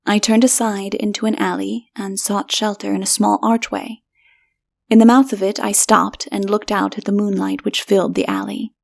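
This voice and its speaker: A woman's voice: mid-range voice, fairly even intonation, normal speed, gravelly, darkish tone. A woman reading a story aloud as dramatic, scripted audiobook narration.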